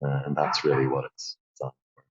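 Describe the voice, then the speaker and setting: Belfast man, very deep husky voice, guest in a talk, calm and unhurried, dull low-fi audio. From Northern Ireland. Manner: calm, flowing explanations with frequent fillers. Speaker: guest, founder of a meditation app. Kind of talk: interview conversation.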